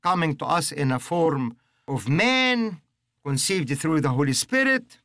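A man's voice: a little high, expressive, unhurried, bright, forceful tone, no room sound, clean studio sound. A middle-aged man from Egypt, hosting a religious radio teaching program in an earnest, emphatic, preacherly way.

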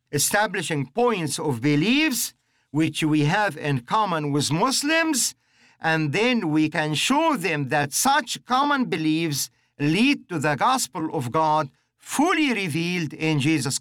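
A man's voice: fairly high pitch, fairly bright tone, no room sound, studio quality. A middle-aged man from Egypt, hosting a religious radio teaching program in an earnest, emphatic, preacherly way.

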